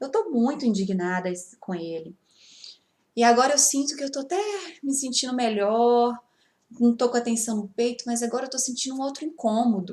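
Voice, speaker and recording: A woman's high-pitched voice at a moderate pace, with ordinary pitch variation and long, frequent pauses. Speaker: self-help video host, EFT practitioner. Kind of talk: tutorial.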